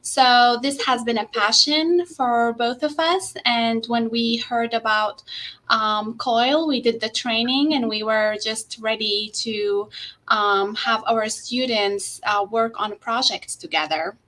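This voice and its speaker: Bright-voiced Syrian-born woman professor. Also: on the high side, takes it slowly. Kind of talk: panel presentation.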